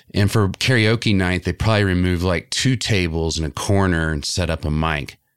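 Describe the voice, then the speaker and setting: Hardly pausing at all, a man speaks with a very deep, low pitch. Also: ordinary pitch variation, moderate pace. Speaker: podcast host. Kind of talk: improv comedy podcast chat.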